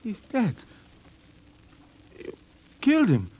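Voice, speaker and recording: A man's voice: high voice, wildly swooping pitch, slow, a little mellow, husky, heavily acted, low-quality recording. An actor playing a plain-spoken, decent crewman with a folksy manner, in 1950s radio drama style. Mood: shocked, angry.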